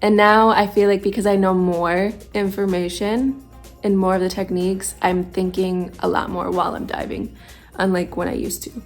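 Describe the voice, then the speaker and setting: A woman's voice: mid-range voice, little pitch movement, moderate pace, soft background music. A woman vlogging candidly about her freediving course, sounding congested and thinking aloud as she reflects. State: congested, stuffy. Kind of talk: candid vlog to camera.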